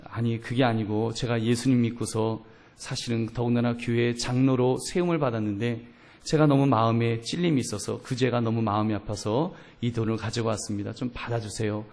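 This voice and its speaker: A man voicing a remorseful church elder who pleads softly and apologetically. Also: mid-range voice, fairly even intonation, a little fast, lightly acted. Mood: pleading.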